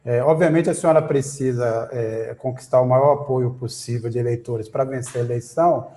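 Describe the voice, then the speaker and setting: A man's voice: mid-range voice, fairly even intonation, brisk, dark tone. A man hosting a political interview, reading a scripted introduction and then asking long questions with many fillers. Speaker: interview host. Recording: echoey room.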